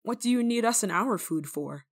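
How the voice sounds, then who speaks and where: A woman playing a kindly, rule-breaking nun in an ASMR roleplay, speaking to the listener in a gently teasing, caring manner. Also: fairly high pitch, lively intonation, moderate pace, husky. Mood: amused teasing. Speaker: roleplay voice actor.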